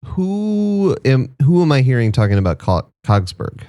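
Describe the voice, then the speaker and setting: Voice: medium pitch, sing-song, a little slow, mellow, clean tone, dry recording. Hesitant, thoughtful tabletop player, dry close-miked sound. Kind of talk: tabletop game play.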